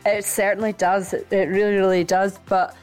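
A woman's voice: medium pitch, level tone, moderate pace, darkish tone, faint music behind. A Scottish woman hosting a radio interview, chatty and encouraging with her guest. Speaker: radio host.

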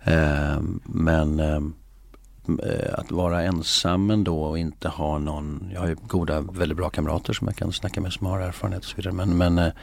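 A middle-aged man in a reflective interview, musing philosophically and often pausing with filler sounds. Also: sits low, fairly even intonation, vocal fry, no echo. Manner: hesitant, many filler sounds. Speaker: interview guest. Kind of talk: reflective conversation.

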